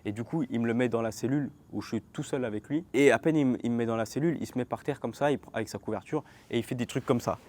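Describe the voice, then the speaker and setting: A man in his twenties, telling an animated story straight to his viewers in a casual storytime vlog. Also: medium pitch, rapid-fire, few pauses. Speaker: vlogger.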